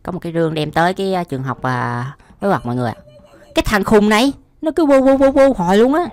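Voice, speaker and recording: Over faint background music, a young Southern Vietnamese video host reacts in fast, slangy commentary, laughing and exclaiming often. His high voice is a little mellow, with lively intonation.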